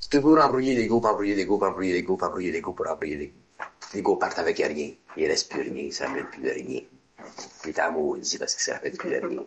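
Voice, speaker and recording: Noticeable background noise runs beneath speech delivered at a very fast pace. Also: man. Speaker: spiritual teacher. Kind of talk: informal talk to a small group. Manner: repetitive.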